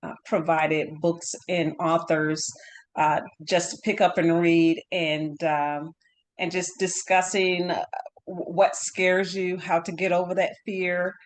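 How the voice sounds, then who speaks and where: A woman sharing in an online class, halting and searching for words. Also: lowish voice, level tone. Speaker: class participant. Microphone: video call.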